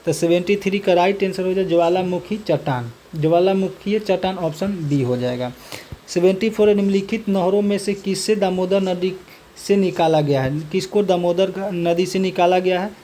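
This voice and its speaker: A teacher with a mellow, warm tone goes through a multiple-choice test. Each question is read twice, and the answer comes in the same steady set phrase every time. Faint background hiss sits under the voice. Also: mid-range voice, normal speed. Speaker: exam coaching teacher. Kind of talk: reading and solving quiz questions.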